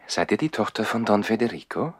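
An actor playing an ardent, playful young baron in a 1960s radio play, eager and courtly, with a husky voice. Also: male voice, fairly low pitch, animated, fairly quick, no echo, studio quality. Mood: courteous, eager.

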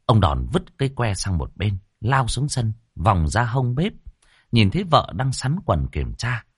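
A man telling a dramatic story with vivid, expressive narration. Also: fairly low pitch, unhurried, breathy edge, no echo, clean studio sound.

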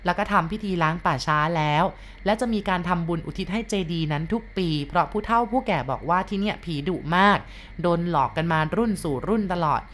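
Low-voiced woman telling a ghost story. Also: brisk, a little hiss or hum. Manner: polite and conversational, with soft sentence endings.

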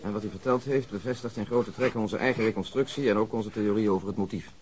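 A man acting a formal, measured police investigator who reports in wordy phrases in a radio drama. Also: fairly low pitch, a little mellow, lightly acted. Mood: measured, official.

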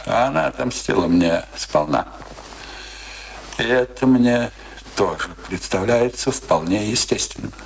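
An actor playing an embittered, world-weary middle-aged husband in a radio play, confessing coolly in slow, halting, pensive phrases. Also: male voice, mid-range voice, expressive, creaky, slight background noise. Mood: detached, grave. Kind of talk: theatrical radio play dialogue.

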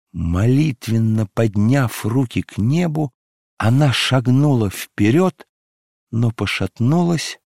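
Slow, low-voiced man reading an audiobook. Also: a little mellow, no echo, studio quality. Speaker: narrator. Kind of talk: audiobook narration.

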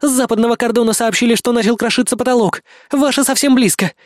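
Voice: mid-range voice, fast talker, no echo, studio quality, voice pushed up, natural voice. A narrator voicing a cold, stern young woman who speaks in clipped, commanding bursts. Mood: urgent.

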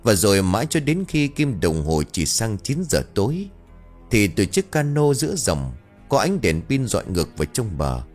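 Male storyteller, low and expressive, faint music behind. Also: normal speed. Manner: steady, dramatic narration. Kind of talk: dramatic story narration.

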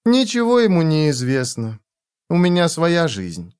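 A man's voice: fairly high pitch, huge pitch swings, measured pace, a little mellow, clear, resonant tone. A man voicing a blind, proud, vengeful young woman in a dramatic audiobook reading, with an intense, defiant delivery. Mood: tender.

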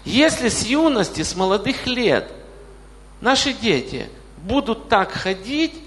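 A man's voice: high-pitched, very animated, unhurried, a bit bright. A man in his late forties preaching a sermon in a church, often putting questions straight to the congregation. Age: 40s. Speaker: pastor. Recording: reverberant hall.

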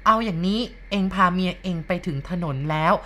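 A woman voicing an old village midwife who talks bluntly and urgently, in a low voice with faint noise behind. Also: a little fast, sharp tone. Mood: coaxing.

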